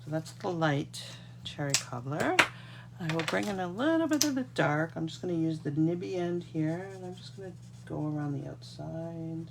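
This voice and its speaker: Woman w a cold, bit gravelly n low, chatty crafting livestream, noisy background. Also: lively intonation, moderate pace. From Canada. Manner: chatty, talks to viewers while working. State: congested, getting a cold. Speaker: card-making demonstrator. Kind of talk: casual live craft tutorial. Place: craft desk indoors. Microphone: overhead camera on desk, hands only.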